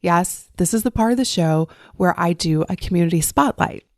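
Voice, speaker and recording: A woman hosting her own life coaching podcast, speaking in a warm, effusive and encouraging way. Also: lowish voice, normal speed, no echo, clean studio sound. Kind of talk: podcast monologue. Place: recorded while traveling abroad.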